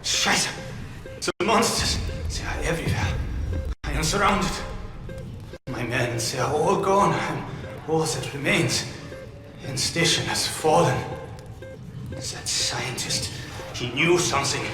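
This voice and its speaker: An actor playing a panicked, abandoned German soldier in a video game, frantic and muttering, with a German accent. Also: male voice, fairly high pitch, sing-song, takes it slowly. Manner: frantic, breaking, muttering to himself. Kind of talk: dramatic video game acting. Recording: echoey hall, music behind.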